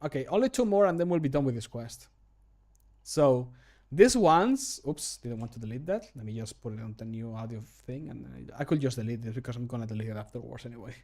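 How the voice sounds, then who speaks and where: A man in his thirties chatting casually and jokily on a livestream, in an animated, self-amused way. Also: medium pitch, a little fast. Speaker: streamer and hobby game modder recording voice lines. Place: small home room, indoors.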